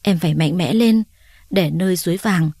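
Woman doing a gentle young man, soothing. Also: on the low side, normal speed, vocal fry, dry recording, clean studio sound. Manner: soft, soothing. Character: gentle young man comforting his girlfriend.

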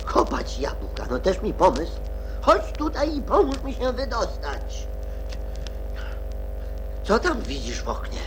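Wildly animated, bossy white rabbit. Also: mid-range voice, slow, pauses often, music in the background, rough recording. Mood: scolding, exasperated. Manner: impatient, scolding, exclamatory. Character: bossy, flustered, imperious male white rabbit master. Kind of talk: theatrical children's radio play acting.

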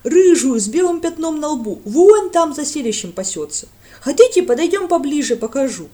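A woman voicing a big, simple-minded village lad who talks loudly and eagerly in slow, folksy phrases. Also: high voice, very animated, voice pushed up. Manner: loud, eager, drawling folksy talk.

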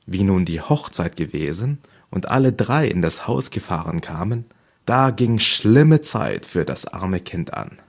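A man narrates a fairy tale in a calm, measured way. His voice sits very low and has a slightly husky edge. The reading flows steadily, like an audiobook.

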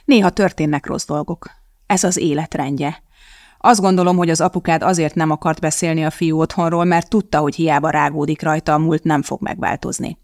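An audiobook reader voicing a blunt, determined woman who talks firmly and matter-of-factly, with a creaky edge. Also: mid-range voice, steady tone, dry recording, studio quality, close to an everyday voice. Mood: steady. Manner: firm and matter-of-fact. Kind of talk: audiobook character voice.

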